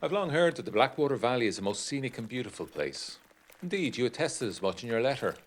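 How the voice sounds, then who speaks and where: A man acting an educated 1920s gentleman who reads out his uneasy letter in a formal, measured, literary way. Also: medium pitch, very animated. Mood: sombre, descriptive. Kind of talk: dramatic reading of a gothic period letter.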